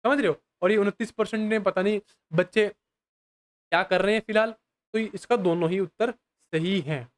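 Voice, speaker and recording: High-voiced young man teaching casually. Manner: reads English questions slowly, explains fast in casual Hindi; addresses viewers as bhai, often asks if they understand. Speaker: exam prep teacher. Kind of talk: casual lesson explaining exam questions.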